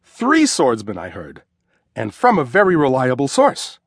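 A man's voice: medium pitch, wildly swooping pitch, measured pace, no room sound, studio quality, full character voice. An actor playing a gossiping man who takes bets in an audiobook. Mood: eager. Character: gossiping man betting on the news.

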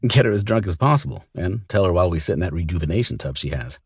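A weary bounty hunter talks with cool, dry resignation, as a man reads him out. His voice is low and very husky, recorded dry and close for a storybook. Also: lively intonation, quick pace, no room sound, exaggerated voice.

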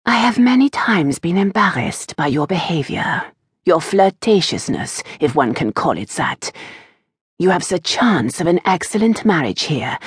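A woman voicing a stern, proper aristocratic mother who lectures her daughter with sharp disapproval. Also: on the low side, slightly rough, no echo, clean studio sound, pitched above the performer's own voice, full character voice.

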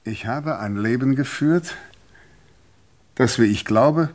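An actor plays a gentleman author in a radio play, recalling his life. The man's voice is medium in pitch, composed and reflective. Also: takes it slowly, lightly acted. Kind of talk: autobiographical narration in a radio play.

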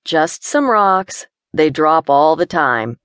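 A woman voicing an easygoing, teasing young man from the countryside who stays calm. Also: deep voice, slow, no room sound, heavily acted.

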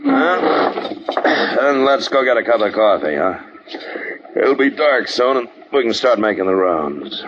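An actor playing a steady frontier town marshal who speaks calmly and levelly, in a 1950s radio drama. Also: male voice, medium pitch, measured pace. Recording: dull old radio broadcast with music behind.

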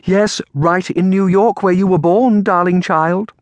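A gentle, sorrowful aunt, played by a male narrator, raised well up in pitch, speaking tenderly and hesitantly as in a children's storybook. The delivery is expressive and the sound is dry. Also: moderate pace, no echo. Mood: forcedly cheerful. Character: tender, sorrowful, reassuring grown woman, a devoted aunt.

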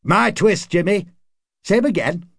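A man's voice: high voice, lively intonation, a little slow, gravelly, a bit bright, no room sound, studio quality, voice pushed up, exaggerated voice. A man voicing an irritable, cynical working-class card player in an audiobook, grumbling in colloquial, sweary speech. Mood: breezy, matey. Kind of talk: audiobook character acting.

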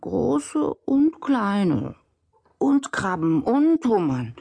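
An actress playing a kind-hearted, homely nursemaid in a radio drama, folksy and fussing. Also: female voice, mid-range voice, sing-song, drawn-out words, creaky, dark tone, slightly rough, full character voice.

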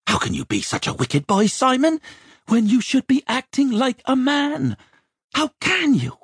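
A man's voice: very high voice, wildly swooping pitch, measured pace, fairly bright tone, husky, dry recording, clean studio sound, voice pushed up, full character voice. A man voicing a cross, exasperated older head chambermaid who barks and scolds in a storybook reading. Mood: scolding, exasperated. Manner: barking, exasperated, dramatic swoops. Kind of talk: audiobook character voice.

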